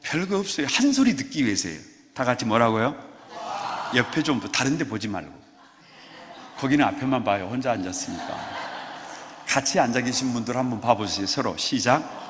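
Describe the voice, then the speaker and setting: A male pastor preaching a sermon in a playful, animated way, coaxing the congregation to answer him. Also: mid-range voice, brisk, background noise. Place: church sanctuary. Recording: long church hall reverb.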